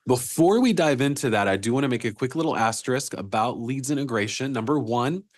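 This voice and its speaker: A man's voice: mid-range voice, lively intonation, a little fast, no room sound. Male co-host trainer, congested and cracking, conversational, dry call audio. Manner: upbeat, conversational, frequent "you know" and "um". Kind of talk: casual online training session.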